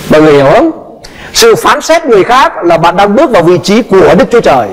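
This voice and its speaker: A man's voice: high-pitched, very animated, quick pace. A male pastor preaching a sermon in a church with impassioned delivery, acting out the people in his story. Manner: impassioned, acts out quoted voices. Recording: long hall reverb.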